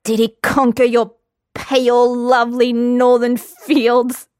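Woman putting on a rowdy drunk witcher, young man, loud, slurring, crude; dry close read. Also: mid-range voice, slow pace, no echo. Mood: drunk jeering.

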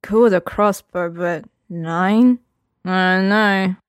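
Woman doing a gruff tired witcher man, mumbled, drunk, flat delivery. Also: takes it slowly, dry recording, clean studio sound. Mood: weary drunk. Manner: low, tired, reluctant mumbling.

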